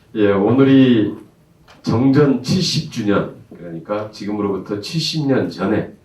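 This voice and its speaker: A man's voice sits at medium pitch and moves at a moderate pace. His intonation is lively, and audible room echo surrounds it. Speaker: politician. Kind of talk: presentation. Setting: congressional briefing room.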